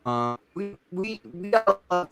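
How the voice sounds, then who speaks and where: A man's voice: high-pitched, lively intonation, unhurried, a crowd in the background. A man talking bluntly in a casual online panel chat while his call audio breaks up and turns robotic. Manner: blunt, casual, swears freely. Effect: glitchy robotic breaking-up call audio.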